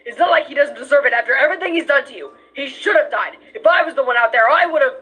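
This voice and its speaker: A performer voicing a bitter, protective young skeleton brother in an animated comic dub, accusing and vehement. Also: high voice, quick pace. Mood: furious. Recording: thin phone-like dub playback.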